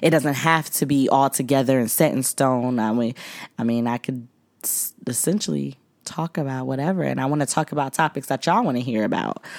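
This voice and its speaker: Ordinary pitch variation and a fairly quick pace come through in a very clean recording with a silent background. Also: woman, very deep, low pitch for a woman. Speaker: podcast host. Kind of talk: casual chat. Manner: casual, candid, unfiltered.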